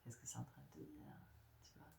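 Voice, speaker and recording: A woman's voice: brisk, a little mellow. A middle-aged woman with a stuffy nose from a cold, giving a casual spiritual talk that speaks directly to listeners and often breaks into laughter. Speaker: spiritual guide. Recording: roomy sound, distant mic.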